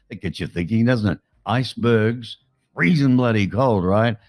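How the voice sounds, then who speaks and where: A man's voice: lowish voice, unhurried, dry recording, clean studio sound. An Australian man hosting a casual interview show in a chatty, matey, colloquial way. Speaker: show host.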